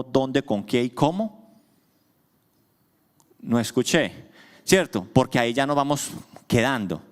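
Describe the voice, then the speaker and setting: A man pastor preaching a sermon, asking his congregation questions and answering them himself with emphasis. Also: medium pitch. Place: church hall. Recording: long church hall reverb.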